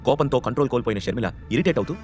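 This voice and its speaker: A male narrator reading a dramatic story at a very fast pace. His voice rises and falls in lively swings. Soft music plays beneath him. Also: medium pitch.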